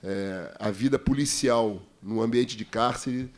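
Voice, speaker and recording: A man's voice: medium pitch, unhurried. A man with a Brazilian accent speaking as a legislator at a hearing, formal and earnest. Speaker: state legislator. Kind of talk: political speech at a committee hearing.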